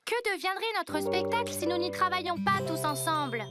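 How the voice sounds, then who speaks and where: A very high, childlike cartoon girl, confident and eager. She projects like a small announcer, with loud music playing behind her. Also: expressive, normal speed. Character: bright, confident little girl leading a show troupe. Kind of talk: French-dubbed children's cartoon acting.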